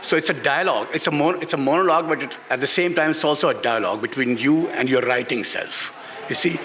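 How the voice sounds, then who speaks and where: A middle-aged author with a Pakistani accent, his voice fairly high and a bit bright, speaks at a quick pace on a literary festival panel in a garden. He answers candidly, stressing points by repeating phrases, and the live event's background noise comes through.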